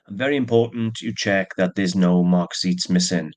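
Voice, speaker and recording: A man's voice: sits low, normal speed, darkish tone. A man with allergies casually showing and describing the antique silver jewelry he sells, chatty with plain asides. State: stuffy with allergies, yawning. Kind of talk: casual show-and-tell narration.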